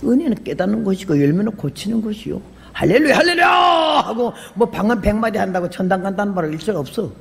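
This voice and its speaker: An older woman missionary preaching a sermon, telling her own story with lively acted-out voices and sudden shouts. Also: mid-range voice, fast talker, creaky, few pauses. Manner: animated storyteller, acts out quoted voices, bursts into shouts. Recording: long hall reverb.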